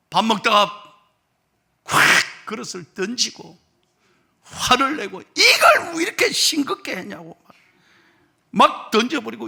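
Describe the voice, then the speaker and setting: A middle-aged male pastor delivers an emphatic sermon and tells stories as he goes. His voice is bright and high, and the pitch moves widely. A gravelly edge comes through. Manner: animated, emphatic preaching. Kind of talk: sermon with storytelling.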